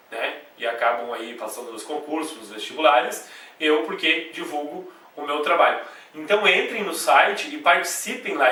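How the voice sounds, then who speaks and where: A man's voice: fairly high pitch, sharp tone, far from the mic. Brazilian man teaching in an echoey room. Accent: Brazilian Portuguese. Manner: explains step by step with frequent checks like "né?" and "tá?"; spells out sounds and syllables slowly. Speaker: grammar teacher. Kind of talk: video lesson at a whiteboard. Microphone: camcorder mic away from the speaker.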